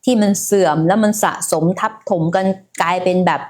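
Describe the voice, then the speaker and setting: A woman's voice: on the low side, fairly even intonation, a little fast, a little mellow. A woman hosting a casual health livestream, talking in a chatty way and speaking straight to her viewers. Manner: chatty, many fillers, addresses viewers directly.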